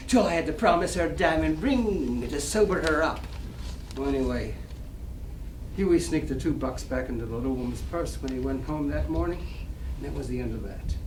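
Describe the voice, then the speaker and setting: An actor playing a cocky, wistful small-time 1920s New York gambler, telling rambling stories in slangy wiseguy talk at a dramatic play reading. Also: male voice, on the high side. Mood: boastful. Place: library reading room. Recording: roomy distant live recording, clear noise.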